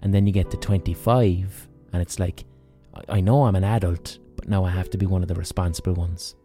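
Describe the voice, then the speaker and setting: A man's voice: deep voice, fairly even intonation, brisk, mellow, soft background music. A man in his thirties hosting a solo podcast, talking bluntly and emphatically with frequent swearing. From Ireland. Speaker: podcast host.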